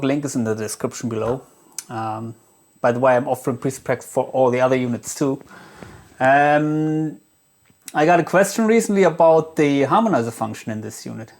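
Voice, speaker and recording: Man giving a halting gear tutorial. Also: medium pitch. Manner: halting, hesitant delivery with many filled pauses. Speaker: guitar gear demonstrator. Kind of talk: casual tutorial talk.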